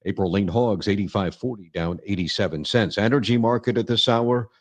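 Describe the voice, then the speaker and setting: A male market reporter with a fairly low voice, reading commodity and stock prices from a script. The delivery is clipped and list-like, figure after figure, in a dry studio sound. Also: brisk, dry recording. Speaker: farm radio market reporter.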